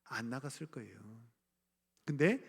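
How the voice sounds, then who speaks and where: A man's voice: medium pitch, animated, moderate pace, vocal fry, husky. A middle-aged man from Gwangju preaching a sermon as pastor, speaking conversationally, asking the congregation questions and chuckling. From Gwangju, South Korea. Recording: church hall reverb.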